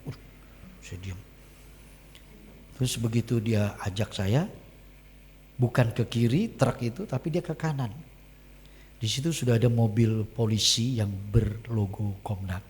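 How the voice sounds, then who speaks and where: A man preaching a sermon during a church service. He tells a story in an animated way and acts out scenes with sound effects. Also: on the low side, unhurried, long pauses, a little hiss or hum. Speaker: pastor. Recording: long church-hall reverb.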